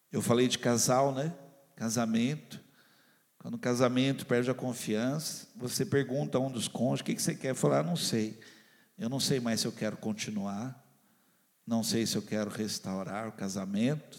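A man with a Brazilian Portuguese accent preaching a sermon as a pastor, fervent, swinging between loud and hushed delivery, and acting out the voices he quotes. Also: medium pitch. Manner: acts out the lines of people and God he quotes. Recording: long hall reverb.

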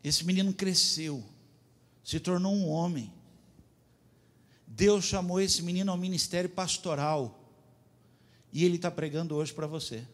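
A man preaching a sermon as pastor, telling a story and pressing his points with emphatic, loud appeals. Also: high-pitched, a little slow, pauses often.

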